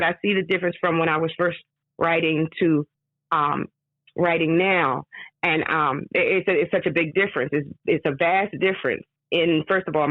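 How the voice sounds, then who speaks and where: A woman author with a hoarse voice, talking casually in an interview and getting animated when she stresses a point. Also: no room sound. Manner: animated, rising pitch when emphatic. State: hoarse from screaming. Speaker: author guest. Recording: tinny phone line.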